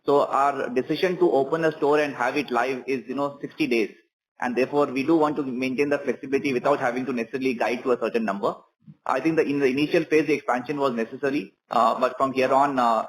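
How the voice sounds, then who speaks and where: A man with an Indian accent answering questions as a company executive on an earnings call, in measured corporate wording. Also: medium pitch, rough recording.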